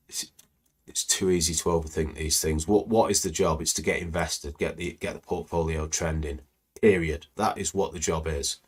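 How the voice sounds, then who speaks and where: A man hosts a live stream, commenting on stock screens in a rambling, conversational way full of fillers. His voice is croaky and a little hoarse today. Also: deep voice. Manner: conversational, rambling, many "you know" fillers. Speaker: trading educator hosting live stream.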